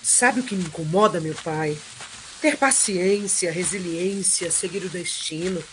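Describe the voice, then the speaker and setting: A woman's voice: lowish voice, a little slow, noisy background, natural voice. A woman playing an emotional, pleading Trojan king in an audio drama. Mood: weary, reflective. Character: Aeneas, anguished heroic Trojan king, adult man. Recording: loud background music.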